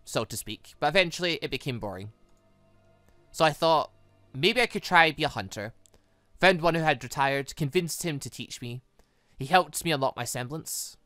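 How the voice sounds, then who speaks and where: A man voicing a menacing, manipulative young woman villain in a visual novel, deliberate and coolly playful. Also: on the high side, sharp tone, no room sound. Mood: cold, matter-of-fact. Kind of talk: visual novel character read-aloud.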